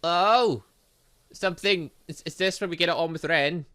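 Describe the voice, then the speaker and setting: A man hosting a gaming video, giving casual, excitable and rambling commentary and stumbling as he reads game text aloud. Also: a little high, moderate pace. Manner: excitable, rambling, stumbles over read lines. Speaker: gaming video host, let's play narrator.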